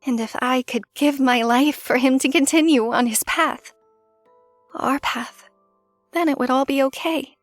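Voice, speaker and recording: A woman's voice: sits high, measured pace, no echo, faint music behind, voice pushed up. A woman voicing an earnest young heroine condemned to be a reaper, pleading and emotional. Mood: earnest, anguished.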